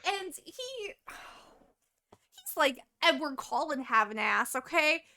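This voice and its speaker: A woman co-hosting a podcast, recapping a book in casual, animated chat full of swearing. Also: sits high, slow. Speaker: podcast co-host.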